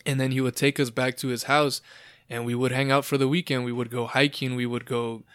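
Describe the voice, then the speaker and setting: A man's voice: medium pitch, little pitch movement, a little fast, a bit bright, clear, resonant tone, dry recording, clean studio sound. A man in his twenties hosting a casual podcast, chatty and rambling with an upbeat manner. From Southern California. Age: 20s. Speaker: podcast host.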